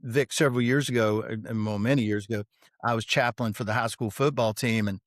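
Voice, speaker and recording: A man's voice: lowish voice, steady tone, a little fast, no echo, clean studio sound. A man guest on a podcast interview, telling stories and driving points home with emphatic rhetorical questions. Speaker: podcast guest, author on leadership development. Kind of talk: conversational podcast interview, storytelling.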